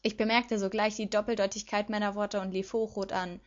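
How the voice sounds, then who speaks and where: A woman reading a fan fiction audiobook aloud as lively first-person storytelling. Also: medium pitch, brisk. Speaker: audiobook reader. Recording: slightly dull lo-fi recording.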